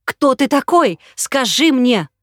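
A hysterical young woman shrieks and sobs in a high, strained voice, as a woman reader puts her on. She sounds frightened and hostile at once. The audiobook sound is dry and close. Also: sing-song, slow pace, a bit bright, no room sound, exaggerated voice. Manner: shrill, sobbing, screaming accusations.

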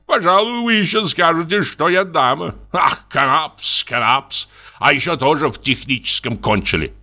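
Male narrator doing a touchy young soldier, hesitant, stubborn, bright tone. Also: fairly high pitch, expressive, a little slow, pitched above the performer's own voice, heavily acted. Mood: offended. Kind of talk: audiobook character reading.

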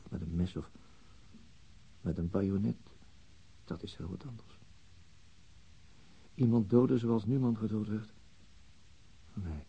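An actor playing a brooding, weary middle-aged police inspector in a radio play, with terse, probing, self-questioning delivery and a husky voice. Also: male voice, low-pitched, warm tone, a little hiss or hum, rough recording. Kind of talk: radio play acting, inner monologue and questioning.

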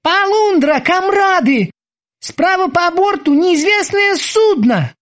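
A man voicing a sleepy, fretful bosun who talks in high, anxious exclamations. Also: big pitch swings, a little slow, exaggerated voice. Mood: alarmed.

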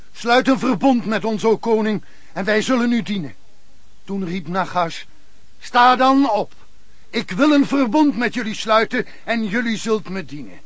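A solemn envoy from a starving, besieged town in a radio drama. His high, dry-sounding voice declaims and pleads with grave desperation. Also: fairly bright tone, no room sound, exaggerated voice. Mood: ominous. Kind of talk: declamatory radio play acting.

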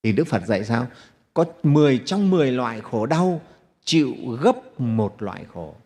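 A man's voice: medium pitch, sing-song, moderate pace, a little mellow. A man, a Buddhist monk telling a teaching story with rhetorical questions to his congregation. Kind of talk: sermon storytelling. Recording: long hall reverb.

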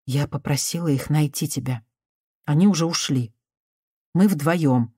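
Мягкий, негромкий женский голос в исполнении чтицы уговаривает терпеливо и примирительно. Тон низкий и приглушённый, речь осторожная, без нажима. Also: female voice, sits low, a little slow, breathy edge, dry recording, studio quality. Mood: coaxing. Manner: soft, conciliatory, hushed. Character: cautious gentle woman, soothing and patient.

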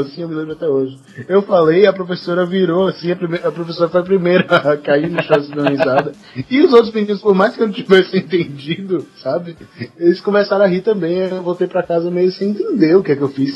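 A Brazilian man co-hosting a podcast, telling a childhood story in a relaxed way with constant tag questions. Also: sits high, fast talker. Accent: Brazilian Portuguese. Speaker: podcast co-host. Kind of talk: casual chat. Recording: muffled podcast audio with faint music.

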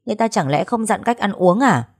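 A sharp-tongued old woman behind a pharmacy counter, as a woman storyteller puts her on, low-voiced and coarse, berating and lecturing without pause. Her lines land hard, her tone full of reproach. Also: lively intonation. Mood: reproachful. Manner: harsh, scolding, coarse. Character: blunt scolding elderly woman pharmacist.

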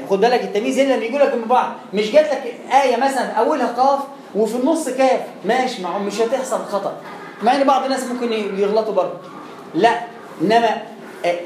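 A man's voice: sits high, darkish tone. A man with an Egyptian Arabic accent teaching Quran recitation in a chatty way, repeating words and sounding out letters. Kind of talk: explanatory lesson. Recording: roomy echo, faint background noise.

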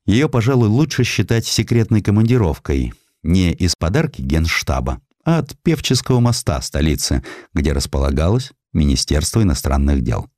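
A man reading a scripted historical story as an audiobook narrator, in a measured, expressive way with deliberate pauses. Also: deep voice, no room sound, studio quality.

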